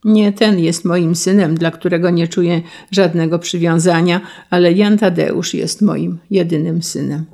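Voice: mid-range voice, fairly even intonation, measured pace, vocal fry, hardly any pauses, darkish tone. A reader voicing a noble countess and mother confessing before the judges, in a solemn, emotional audiobook reading. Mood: solemn tearful. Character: grieving noble countess, mother, testifying in court.

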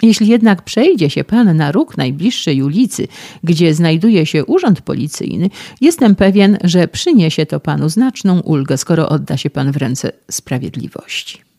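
A man's voice: on the high side, expressive, moderate pace, vocal fry, dark tone. A man reading an audiobook, voicing a self-assured physician who lectures a young man in a sermonizing, patronizing way. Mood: lecturing.

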